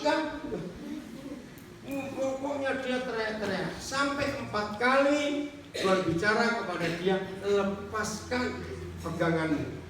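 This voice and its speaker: A male preacher giving an animated sermon, telling a story and quizzing his congregation directly. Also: high-pitched. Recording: echoey hall from far off with faint noise.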